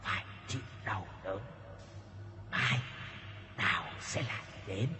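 A man doing a hushed, cackling demon. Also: on the low side, takes it slowly, voice pushed down. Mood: gloating. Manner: gloating, cackling, hissed. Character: cruel gloating demon.

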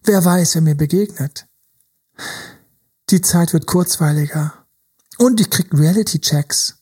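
Husky-voiced guy giving a pep talk on dating, swings loud then whispery. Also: a little high, measured pace. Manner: emphatic, drops to whispers, acts out inner voices. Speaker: relationship coach. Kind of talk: motivational monologue.

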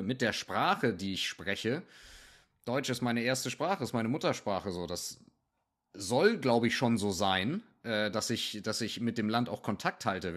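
A man talking as a podcast guest and meditation teacher, reflective and loose, dropping English slang into casual talk. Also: lowish voice.

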